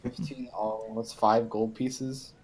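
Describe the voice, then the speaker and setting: A man's voice: medium pitch, fairly even intonation, slow. A man playing a tabletop roleplaying game, bantering casually over a noisy mic with clicks.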